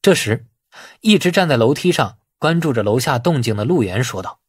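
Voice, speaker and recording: A man narrates a novel in an expressive, animated storytelling style. His mid-pitched voice has a husky edge and the recording is dry and close. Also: fairly quick, no echo. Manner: expressive storytelling, acting out dialogue. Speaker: audiobook narrator. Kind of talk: dramatic scripted narration of a novel.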